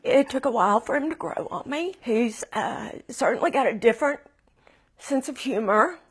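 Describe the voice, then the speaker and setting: A woman's voice: a little high, lively intonation, normal speed, husky. A woman speaking hesitantly and wryly in a documentary interview.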